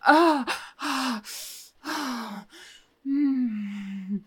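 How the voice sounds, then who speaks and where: A woman's voice: medium pitch, fairly even intonation, slow pace, breathy edge. A woman playing a sultry, dominant, mysterious woman in an erotic audio roleplay, whispering and moaning breathily. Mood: aroused, breathless.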